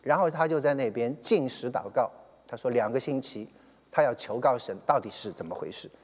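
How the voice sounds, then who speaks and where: A man's voice: medium pitch, fairly quick, in a large hall. A man, a church elder, retelling a story in a sermon, with many fillers and English phrases slipped in.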